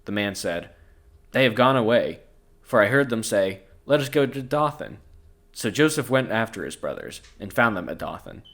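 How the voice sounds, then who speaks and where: A man's voice: lowish voice, very animated, moderate pace, vocal fry, a bit bright. A man co-hosting a podcast, reading scripture aloud and breaking off into crude jokes and frequent laughter. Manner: laughs often, crude and joking. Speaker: podcast co-host.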